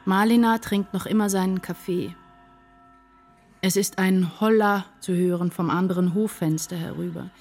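An actress playing an anguished woman writer narrating her despair in a deliberate, intense literary radio drama monologue. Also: fairly low pitch, fairly even intonation, darkish tone. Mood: desperate, resolute. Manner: deliberate, intense, incantatory short phrases.

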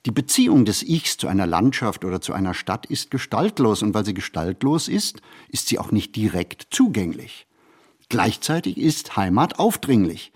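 A man reads a reflective literary monologue for a radio play, phrasing deliberately and expressively with pauses. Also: lowish voice, big pitch swings.

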